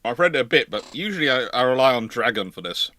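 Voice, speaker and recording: A man's voice: mid-range voice, sing-song, quick pace, bright, forceful tone, no echo. A man hosting a live history Q&A in casual, chatty style, with a teasing manner. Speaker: host of a live naval history Q&A stream. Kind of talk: casual live chat, answering viewer questions.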